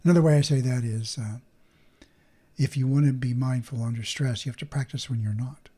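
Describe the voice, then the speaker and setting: Man, podcast host, solo talk, earnest coaching tone, animated, plays out both sides of conversations. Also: medium pitch, a little fast, breathy edge.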